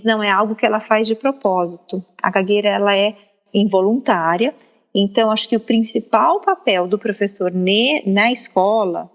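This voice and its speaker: A Brazilian woman speaking as a guest speech therapist on a podcast, explaining in a didactic, emphatic way with frequent tag questions. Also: medium pitch. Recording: long reverb, faint background noise.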